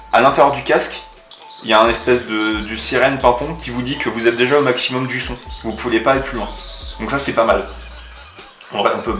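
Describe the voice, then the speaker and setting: A man presents a product in a relaxed, colloquial vlog style. His voice sits at an average pitch and carries noticeable room echo. He explains things step by step over background music. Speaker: motovlogger reviewing a product. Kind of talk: casual hands-on product demonstration. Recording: roomy echo, faint music underneath.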